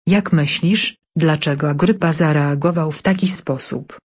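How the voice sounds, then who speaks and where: A woman reading Bible passages and study questions in an even, measured way. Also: sits low, breathy edge. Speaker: scripture reader.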